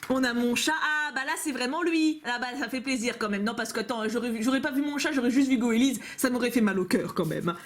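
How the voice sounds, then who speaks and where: A young woman vlogs from home on a camcorder, playfully chatting as she opens fan-made cards. She talks fast with hardly any pauses, in a voice on the high side, gushing and laughing often during this casual fan-mail unboxing.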